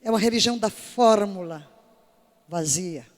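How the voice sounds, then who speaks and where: A woman's voice: mid-range voice, moderate pace. Emphatic woman preaching in a church hall. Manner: emphatic, with many rhetorical questions. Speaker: apostle preaching to her congregation. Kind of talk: sermon. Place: church service.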